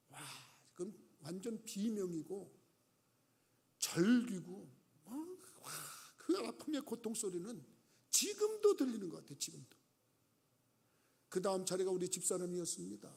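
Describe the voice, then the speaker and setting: High, gravelly-voiced Korean pastor preaching. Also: male voice, expressive, measured pace, long pauses, a little mellow. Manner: acts out quoted voices with dramatic rises and dips. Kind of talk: sermon. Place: church sanctuary. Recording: long church reverb.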